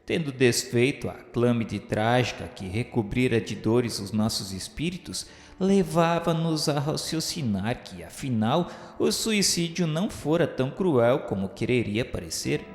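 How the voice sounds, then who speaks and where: A man's voice: mid-range voice, lively intonation. Echoing Brazilian male radio narrator. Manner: formal, literary, measured. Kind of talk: scripted dramatic radio narration. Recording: echoey hall reverb under music. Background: music.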